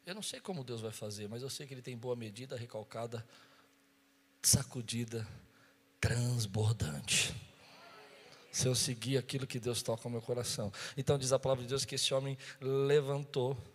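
A man preaching as pastor, moving from quiet storytelling to loud, impassioned calls. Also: mid-range voice, fast, few pauses, in a large hall. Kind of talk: sermon. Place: church.

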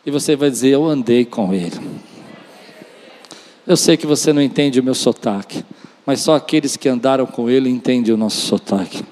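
A man with a mid-range, darkish voice preaches at a normal speed in a charismatic church service. Emphatic and direct with his listeners, he relies on repetition and acts out dialogue, and a large hall lends long reverb to the sound.

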